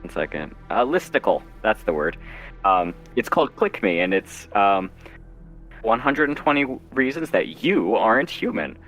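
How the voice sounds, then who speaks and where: A man chatting casually as an interview guest, halting and self-deprecating as he explains his writing work. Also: lowish voice, very animated, fairly bright tone, faint music behind. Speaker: guest author and zine editor.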